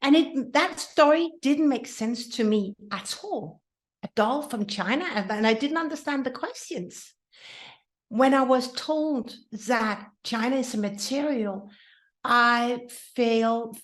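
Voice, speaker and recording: A woman's voice: on the high side, slow pace. A woman from Denmark with a Danish accent, whose first language is Danish, hosting her own podcast in an earnest, personal way with many restarts. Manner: earnest, with frequent restarts and repetitions. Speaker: podcast host. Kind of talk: casual solo podcast talk.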